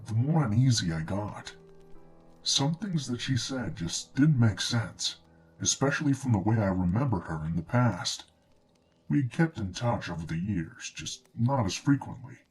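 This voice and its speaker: A man reading a scripted first-person horror story in a measured, understated way, as a narrator. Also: on the low side, slightly rough, low-quality recording. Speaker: narrator of true scary stories. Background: background music.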